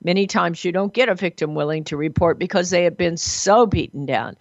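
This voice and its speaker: An American woman hosting a talk radio show conversationally, with a gravelly voice, hoarse from a cold, earnest and emphatic. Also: fairly low pitch, a little fast, dry recording, dull audio.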